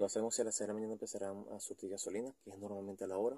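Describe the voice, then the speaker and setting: Against a quiet background, a man talks in a dark, mellow tone at a fairly low pitch. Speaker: vlogger. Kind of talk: casual vlog chat. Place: car. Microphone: phone near.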